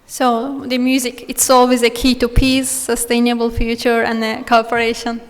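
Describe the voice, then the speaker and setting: A woman's voice: a little high, completely flat delivery, moderate pace. A woman presenting at a ceremony, formally introducing the next speaker. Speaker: event presenter. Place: hotel ballroom. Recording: long reverb of a large hall.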